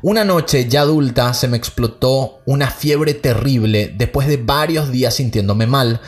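A man's voice: medium pitch, a little slow. A man hosting a podcast, reading listener stories aloud and then chatting casually about them. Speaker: podcast host.

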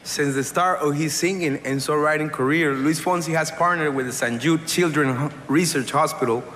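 A man's voice: a little high, fairly bright tone, slight background noise. Man presenting an award in a hall. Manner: formal, read from script. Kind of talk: formal award presentation speech. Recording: roomy hall with ambience.

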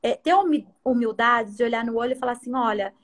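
A middle-aged woman runs a salon and is a guest in a relaxed interview. Her voice sits high. She tells her stories with lots of life and slips into the voices of the people in them. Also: quick pace. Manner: animated storyteller who acts out others' lines. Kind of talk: casual storytelling chat.

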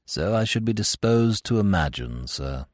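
A performer voicing a deferential, unflappable English valet with a measured, formal, deadpan manner in an audiobook story. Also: low voice, no echo, clean studio sound, voice pushed down. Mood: calm deference.

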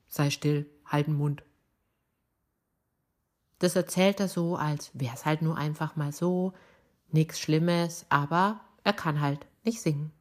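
A middle-aged woman with a raspy, rough-edged voice, hoarse from bronchitis, telling a personal story as a podcast host. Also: sits low.

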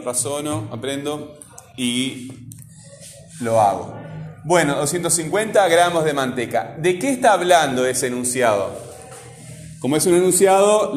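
A man teaching a class, patiently repeating words slowly and questioning his students. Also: a little high, a little hiss or hum. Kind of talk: classroom lesson. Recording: echoey classroom. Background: classroom ambience.

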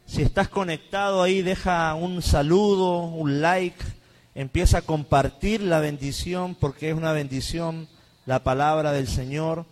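High-voiced preaching man in a reverberant hall. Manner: fervent preacher, voice swinging high and low. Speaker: pastor. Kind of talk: livestreamed sermon with Bible reading and prayer.

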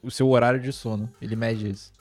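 A man's voice: medium pitch, fairly even intonation, fast talker, darkish tone. A man in a casual chat, telling a story. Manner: easygoing, storytelling.

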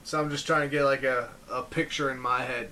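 A man's voice: mid-range voice, steady tone, a little fast, pushed and bright, slight background noise. A man co-hosting a podcast, asking loose, curious questions in casual chat. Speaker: podcast co-host.

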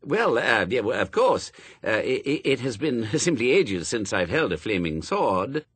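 A man's voice: mid-range voice, big pitch swings, unhurried, fairly bright tone, slightly rough, full character voice. A man voicing a fussy, anxious, polite angel bookseller in a storybook, prim and flustered, with stammers. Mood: nervous, flustered.

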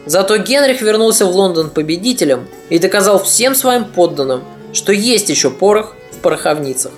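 History podcast narrator, steady even read, mid voice, quiet music behind. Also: mid-range voice, normal speed.

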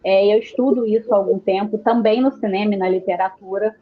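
A woman's voice: mid-range voice, fairly even intonation, brisk, lo-fi sound. A woman with a Carioca accent chatting casually about films in informal Rio street slang, with casual swearing. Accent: Carioca (Rio de Janeiro). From Rio de Janeiro, Brazil. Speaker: panelist discussing films.

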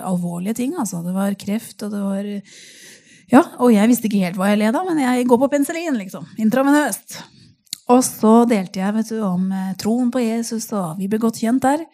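A woman telling a personal faith testimony in an animated, chatty way, laughing often and using many fillers. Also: medium pitch. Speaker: speaker giving a faith testimony.

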